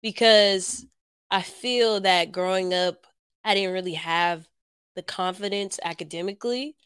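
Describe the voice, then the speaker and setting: A young adult woman co-hosting a casual podcast, her voice still a little hoarse while it comes back, relaxed and quick to laugh. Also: mid-range voice, no room sound, studio quality. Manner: relaxed, laughs easily, acts out quoted talk. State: recovering from lost voice, slightly hoarse. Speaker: podcast co-host. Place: Los Angeles.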